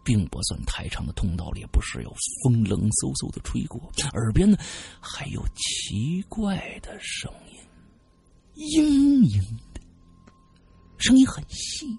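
Gravelly man telling a ghost story. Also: mid-range voice, unhurried. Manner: animated, dramatic storytelling. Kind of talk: casual spoken ghost story.

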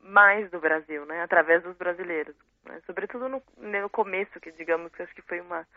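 A woman's voice: lowish voice, brisk, no echo. A woman in her thirties with a Brazilian Portuguese accent, a guest poet answering interview questions in a reflective way, often searching for words and adding tag questions. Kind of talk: casual interview talk. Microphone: phone call. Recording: tinny dry phone line.

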